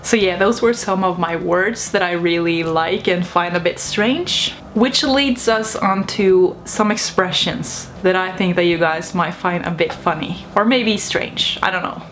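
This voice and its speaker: A woman's voice: lowish voice, measured pace, few pauses, a little hiss or hum. A young woman from Norway, chatting casually and playfully to her viewers in a video monologue. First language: Norwegian. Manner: chatty, lively, laughs at her own points. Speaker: vlogger.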